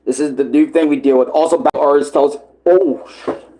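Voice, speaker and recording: Slangy, swearing male livestreamer, slightly high voice. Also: steady tone, normal speed, mellow, low-quality recording. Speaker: livestreamer reacting to a comic dub series. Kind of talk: casual live reaction commentary.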